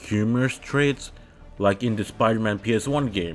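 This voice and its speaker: Over music in the background, a man speaks with a fairly low pitch and fairly even intonation. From UK. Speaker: YouTube film reviewer. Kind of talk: video essay commentary.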